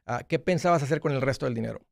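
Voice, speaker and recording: A man's voice: mid-range voice, very fast, creaky, no echo. A man in his forties hosting a money advice call-in show from a small studio, talking directly and often restarting his words. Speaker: radio show host giving money advice. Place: small studio with acoustic foam wall. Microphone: studio mic with headphones.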